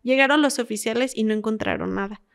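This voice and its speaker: A young woman with a Mexican Spanish accent and a smooth, clear voice, pitched a little high for a woman. She tells her stories in an animated way and acts out frightened callers as she quotes them. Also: fast talker. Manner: animated storyteller, quotes callers with dramatic whispers and pleas. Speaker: former emergency call operator. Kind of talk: conversational storytelling.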